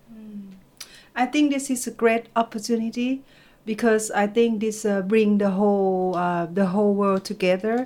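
A woman with a Thai accent speaks at a moderate pace in a dark, mellow tone. Her pitch sits fairly high, and her intonation stays fairly even. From Thailand. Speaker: site visitor. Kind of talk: interview.

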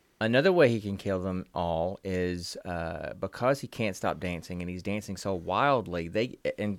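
A normal speaking voice with an American accent and ordinary pitch variation, on a very clean recording over a silent background. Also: man. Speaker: podcast co-host and mental health professional. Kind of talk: casual chat. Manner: rambling, filler-heavy.

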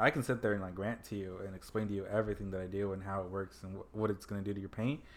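Over a silent background on a very clean recording, a man speaks very fast in a fairly low, monotone, flat delivery. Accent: Spanish. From Mexico, raised in Goshen, Indiana. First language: Spanish. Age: 20s. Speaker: car detailing and restoration business owner. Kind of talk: casual interview conversation. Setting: studio.

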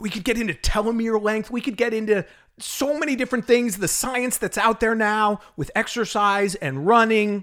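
On a very clean recording with a silent background, a man with a high pitch talks at a moderate pace in an animated tone with ordinary pitch variation. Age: 50s. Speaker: podcast host and fitness coach. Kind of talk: angry rant. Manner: animated, exasperated, indignant.

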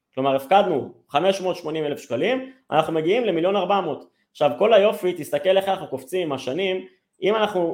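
A man's high-pitched voice with lively intonation. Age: 20s. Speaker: finance community manager. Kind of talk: interview.

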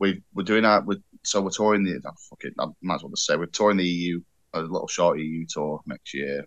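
Speaking fast-ish with a Manchester accent, a man has a very deep, low pitch, ordinary pitch variation and big swings in loudness. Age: 30s. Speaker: band singer. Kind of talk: casual interview.

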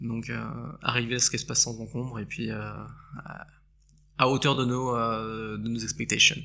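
Speaking at a fairly slow pace, a man keeps to a medium pitch in a monotone, flat intonation. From Alsace, France (Strasbourg). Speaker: startup founder, biomedical engineer. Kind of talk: interview. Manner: hesitant, many fillers and repetitions.

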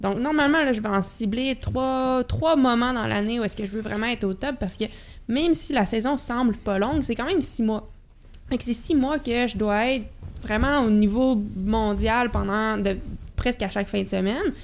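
A woman speaks in an ordinary speaking voice with a fairly high pitch. Her pace is moderate and her pitch variation is ordinary. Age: 20s. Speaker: pro cyclocross racer. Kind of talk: casual interview chat.

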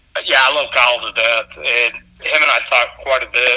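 A man with an American accent talks at a moderate pace. There is noticeable background noise. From Texas and Colorado. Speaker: duck call maker. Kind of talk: casual chat.

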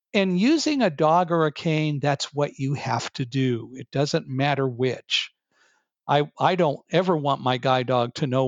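With an American accent, a man talks at a moderate pace in an unremarkable speaking voice, fairly high in pitch with ordinary pitch variation, on a dry, close recording with no echo. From California. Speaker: author and public speaker. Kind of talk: interview.

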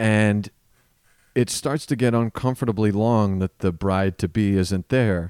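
A man in an ordinary speaking voice, fairly low in pitch with ordinary pitch variation and a fairly slow pace, in a dry, close sound with no echo on a very clean recording with a silent background. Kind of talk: casual comedic chat. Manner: joking, boastful.

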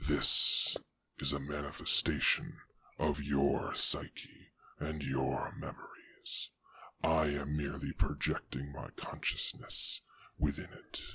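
Growling in a put-on character voice, a man speaks at a very deep, low pitch. His pace is fairly slow. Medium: actual play. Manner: measured, composed.

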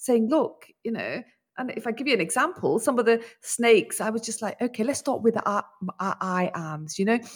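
With a British accent, a woman speaks at a fairly high pitch and fairly quick pace, her intonation lively. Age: 40s. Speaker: business coach and hypnotherapist. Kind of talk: interview. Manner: halting.

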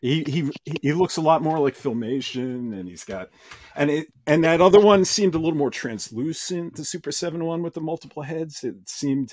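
A plain, everyday voice from a man, fairly high in pitch, at a fairly quick pace, with ordinary pitch variation and big swings in loudness. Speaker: podcast host. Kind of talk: casual interview chat.

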